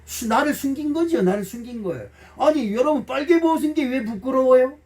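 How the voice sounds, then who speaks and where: Man, middle-aged, pastor, sermon, high voice, animated, folksy and blunt, distant mic in church. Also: brisk. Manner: folksy, emotional preaching with acted-out dialogue; blunt, joking asides to the congregation. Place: church sanctuary.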